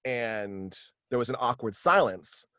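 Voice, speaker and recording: A man talking casually as an interview guest on a video call, halting and animated in manner. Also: mid-range voice, dry recording, clean studio sound. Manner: halting and animated, slipping into quoted dialogue. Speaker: guest, voice actor and author. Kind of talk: casual interview chat about own radio play. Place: indoors at home, on a video call.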